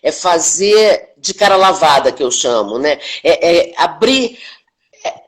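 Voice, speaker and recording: An older woman in her sixties from Brazil, an actress talking on a video-call interview in an emphatic, animated way, often ending points with a quick question to the listener. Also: sits low. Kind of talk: reflective conversation. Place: home, online live stream.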